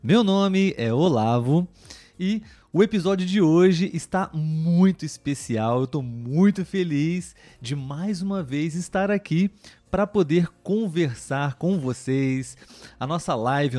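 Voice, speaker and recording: A Brazilian man hosting a live podcast for learners of Portuguese, welcoming listeners with many fillers and pauses. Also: a little high, expressive, warm tone. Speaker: podcast host and Portuguese teacher.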